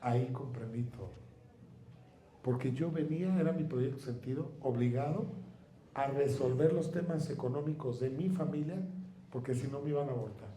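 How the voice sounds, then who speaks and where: Man, 30s, animated seminar storytelling, mellow tone, roomy hall, faint noise. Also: medium pitch, moderate pace. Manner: animated, swearing, speaks straight to the audience. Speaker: workshop speaker.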